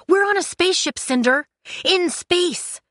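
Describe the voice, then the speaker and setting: Woman acting out young male emperor, audiobook character, indignant, commanding, bright edge, close dry recording. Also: on the high side, expressive, moderate pace, no room sound, voice pushed up. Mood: outraged. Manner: emphatic, exasperated, commanding.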